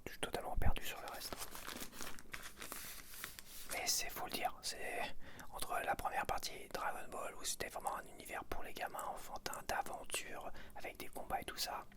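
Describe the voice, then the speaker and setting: Whispering man, casual ASMR chat. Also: normal speed. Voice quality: unvoiced soft whisper. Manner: rambling, self-correcting, informal. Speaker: ASMR video creator.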